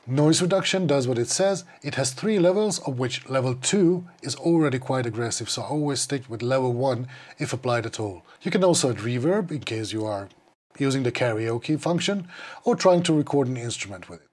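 A man's voice: mid-range voice, animated, normal speed, darkish tone. A man in his forties giving a scripted, matter-of-fact review of a wireless microphone, recorded on a clip-on mic in a small dim studio. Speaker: podcast gear reviewer.

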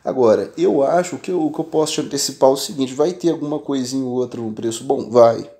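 A man with a medium-pitched voice and a Brazilian Portuguese accent talks quickly and casually to the viewers of his channel. He runs a tech channel and a shop, speaks in an animated, emphatic way, and keeps asking "entendeu?" to check they're following.

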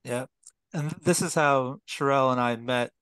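A young man on a video call explains his research through a headset, careful and detailed, often pausing on fillers. His voice is bright and crisp. The sound is dry and close. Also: medium pitch, dry recording. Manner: detailed, precise, many fillers and restarts. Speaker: public health PhD student, guest. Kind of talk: explanatory interview talk.

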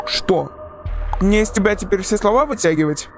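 A woman's voice: mid-range voice, lively intonation, moderate pace, faint music behind, voice pushed down, lightly acted. A woman voicing a sceptical but concerned young man in a horror text-message story. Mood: irritated, puzzled. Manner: questioning, mildly exasperated.

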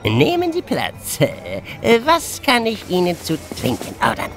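An actor playing a stilted, slyly amused alien client in a science fiction radio play, formal and halting, with odd chuckles. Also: male voice, sits high, huge pitch swings, fairly bright tone, heavily acted. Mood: courteous, eager. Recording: music under the voice.

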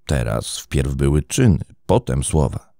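A man with a very low, dark voice narrates a scripted true-crime story. His delivery is dramatic, with wide pitch swings. He is close on a studio mic, and the room sound is dry. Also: very animated, a little slow, gravelly, no room sound.

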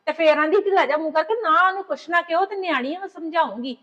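A woman's voice: very high-pitched, quick pace, fairly bright tone. A woman playing an angry neighbor who scolds and threatens over a wrecked garden. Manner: heated, threatening. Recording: dull lo-fi sound.

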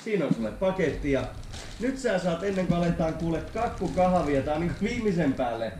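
A man's voice: on the high side, sing-song, noisy background. A man in his thirties hosting a fishing vlog, talking in an enthusiastic, chatty way on a frozen lake and later at a kitchen table. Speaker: fishing channel host. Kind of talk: casual on-camera chat. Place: outdoors on a frozen lake, then an indoor kitchen.

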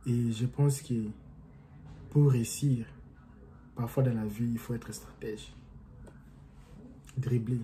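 A young man with a very dark, mellow voice and an accent gives an animated motivational talk straight to his camera. He rambles and restarts as he gestures, recorded in a small room at home with a faint hiss behind him. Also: mid-range voice, slow, pauses often, poor audio. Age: young adult. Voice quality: non-native-sounding French accent, by his own account. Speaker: motivational vlogger.

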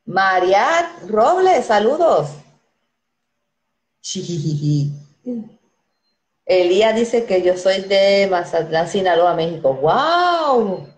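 Very animated yet slow, with frequent pauses, this mid-range female voice belongs to a Dominican live-stream host in her thirties with a Dominican Spanish accent. She reads viewer comments and names aloud in a friendly, chatty way, laughing easily, speaking into an earphone headset mic in a small, echoey indoor room.

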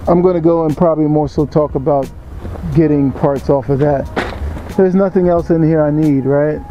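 A man's voice: fairly high pitch, fairly even intonation, moderate pace, mellow, dull audio, soft background music. Laid-back man rambling in his garage. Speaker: car restoration vlogger. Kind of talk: casual how-to commentary. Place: garage workshop and outdoor junkyard.

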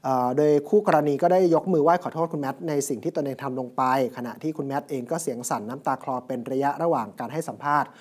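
A man hosting a morning news show, reading out a story and quoting people in a steady news delivery. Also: medium pitch, quick pace, hardly any pauses, slightly rough. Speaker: news program host.

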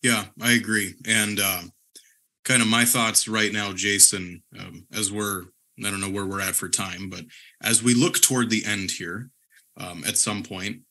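A man hosting a church podcast, asking questions in a measured way with many pauses. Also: fairly low pitch, fairly even intonation, pushed and bright. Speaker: podcast host. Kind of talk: casual podcast interview.

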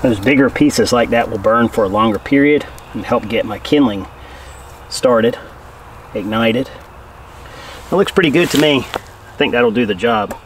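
A bushcraft host in his forties casually explains his work while using his hands at a forest campsite, relaxed and giving outdoor instruction. His medium-pitched voice moves at a measured pace with long pauses. Recorded by a camera a few feet away, he sounds a bit distant amid faint outdoor noise.

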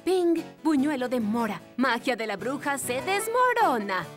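Cartoon fairy mum: lively, highish voice, Latin American accent, dramatic storybook delivery. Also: female voice, music in the background. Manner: dramatic, deliberate. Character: fairy mother telling a dramatic bedtime story. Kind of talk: animated storybook narration in cartoon dub.

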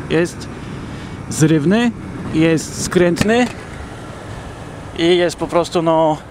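Chatty young man riding a motorbike. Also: fairly high pitch. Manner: relaxed, chatty, addresses viewers directly, drawn-out fillers. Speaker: motovlogger. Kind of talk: casual vlog talk while riding. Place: outdoors on a motorcycle in city traffic. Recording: helmet mic with wind and traffic noise.

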